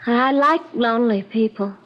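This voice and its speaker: An actress playing a weary, lonely, trusting young drifter in old-time radio drama, plaintive and guileless. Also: female voice, on the high side, normal speed, lightly acted. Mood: sleepy, wistful. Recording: muffled vintage radio recording.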